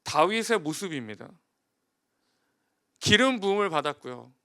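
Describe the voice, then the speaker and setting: Male pastor, sermon, high voice, crisp and smooth, rhetorical questions, loud and hushed by turns. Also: very animated, moderate pace.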